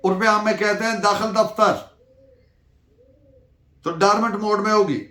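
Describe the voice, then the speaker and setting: A man's voice: sits high, level tone, moderate pace, fairly bright tone. A man with a Pakistani accent giving a didactic lecture, posing questions and answering them himself, dictating references and switching between two languages. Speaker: law lecturer. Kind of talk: lecture with case-law dictation. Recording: echoey room sound.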